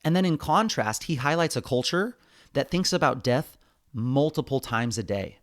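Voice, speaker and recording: A man's voice: mid-range voice, expressive, moderate pace. American man hosting a solo podcast. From United States. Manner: earnest, conversational, addresses listeners directly. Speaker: podcast host. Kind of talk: semi-scripted solo podcast narration.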